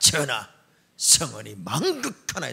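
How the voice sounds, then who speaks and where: Using a put-on character voice, a man delivers his lines at a fairly slow pace. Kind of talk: archaic court speech. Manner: sly, insincere.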